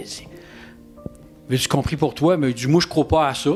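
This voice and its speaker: With music in the background, a man talks at a moderate pace and a fairly high pitch, his intonation fairly even. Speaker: street pastor and evangelist, former soldier. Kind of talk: podcast interview, telling personal anecdotes.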